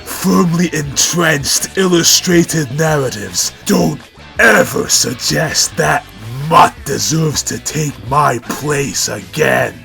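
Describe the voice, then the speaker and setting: Macho cartoon tomcat, acted by a man, pompous, threatening, long-winded, loud music behind. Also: on the high side, lively intonation, slow pace, gravelly, pitched above the performer's own voice, heavily acted. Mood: furious, ranting. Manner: bombastic, verbose, threatening. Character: macho, pompous, menacing male cartoon cat.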